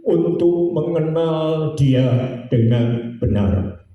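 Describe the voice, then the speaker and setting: Slow, echoey elderly preacher. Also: male voice, fairly high pitch, dull audio. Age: 70s. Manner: drawn-out, sing-song preaching with homely jokes. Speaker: pastor. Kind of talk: sermon. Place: church sanctuary. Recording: very echoey church hall, distant mic.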